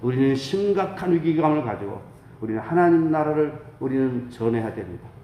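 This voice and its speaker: A man's voice: mid-range voice, expressive, a little fast, mellow. A man preaching a sermon as a pastor, fervent and exhortatory, posing rhetorical questions and answering them himself. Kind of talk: dawn prayer sermon. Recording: echoey room with faint background noise.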